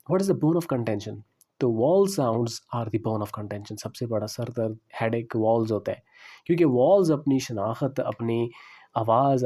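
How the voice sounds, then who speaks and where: A male English lecturer teaches pronunciation in a patient classroom style. His voice is mellow and warm, sitting at an ordinary pitch for a man. He repeats each example word slowly so that learners can follow.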